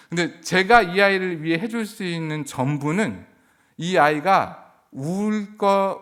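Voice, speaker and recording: A man in his thirties preaching a sermon as pastor, swelling with emotion and dropping to hushed tones. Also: on the high side.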